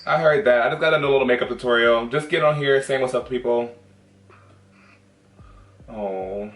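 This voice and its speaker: A man's voice: medium pitch, moderate pace, a bit bright. A man from Oakland, a drag queen chatting casually with strangers in a sassy, chatty manner. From Oakland, California. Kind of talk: casual chat with strangers on video chat. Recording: roomy echo with music behind.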